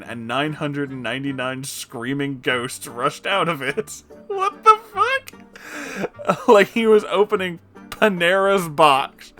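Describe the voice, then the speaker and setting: A man with a medium-pitched, slightly bright voice hosts a comedic reading of fan fiction. He keeps interrupting himself with incredulous, amused asides, bursting into laughter and exclaiming in disbelief.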